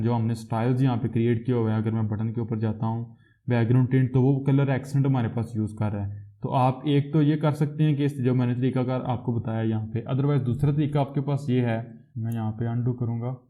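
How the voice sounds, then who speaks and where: A man walks through a programming tutorial in a flat, even voice that barely rises or falls. He explains each step patiently, often stopping to correct himself. The sound is thin and tinny, like a phone line. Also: mid-range voice. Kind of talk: screen-recorded coding tutorial.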